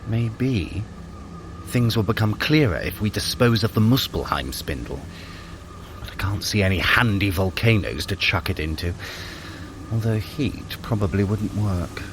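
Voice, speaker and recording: Clever trickster god, animated intonation, dry wit, theatrical diction, fantasy audio drama, clear background noise of effects. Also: male voice, on the low side, a little slow. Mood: wry, pondering. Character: Loki, clever, wry male god of mischief.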